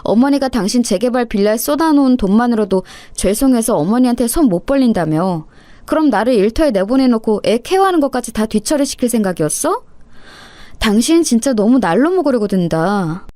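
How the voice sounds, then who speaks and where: A woman's voice: fairly high pitch, no echo, natural voice. Woman as an indignant young working mother. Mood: bitter. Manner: sharp, indignant retorts. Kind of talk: dramatized story reading.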